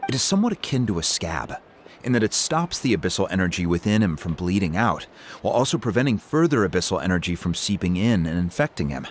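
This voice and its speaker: Deep-voiced, animated tribal chief. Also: male voice, slight background noise. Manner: composed, explanatory, formal. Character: reassuring, thoughtful male tribal chief. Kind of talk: video game character dialogue.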